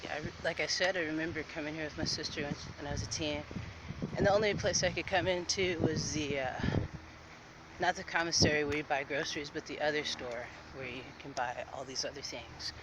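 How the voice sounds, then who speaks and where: A man's voice: fairly high pitch, steady tone, brisk. A man chatting casually while walking outdoors, rambling with restarts and a bit out of breath. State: slightly out of breath. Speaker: vlogger. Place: outdoors on streets near an air base. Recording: noisy outdoor street with traffic. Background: traffic and urban ambience.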